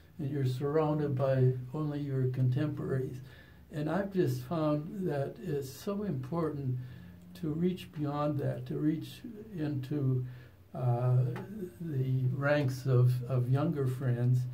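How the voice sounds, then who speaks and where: Speaking very slowly with an American accent, a man has a fairly high pitch, ordinary pitch variation and a dark, mellow, somewhat breathy tone. Audible room echo surrounds his voice. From US Midwest. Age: 80s+. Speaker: retired business executive and author. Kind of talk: interview conversation.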